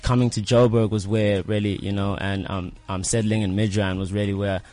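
South African man, fairly low voice, slangy. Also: little pitch movement, brisk, a little mellow, soft background music. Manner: slangy, peppered with "like" and "you know". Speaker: rapper being interviewed. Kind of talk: casual chat.

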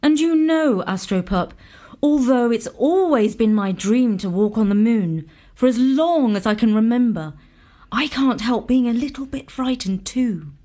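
A man voicing an excitable, chirpy teenage girl in a children's space story, gushing and exclamatory. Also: extremely high pitch, a little slow, voice pushed up. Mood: cheerful, confiding.

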